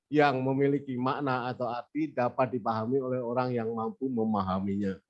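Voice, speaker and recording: A man's voice: mid-range voice, highs cut off. A man with a cold presenting at a weekly discussion, reading formal legal procedures aloud from slides and moving through them point by point. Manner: reads formal legal text, says next slide between points. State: has a cold.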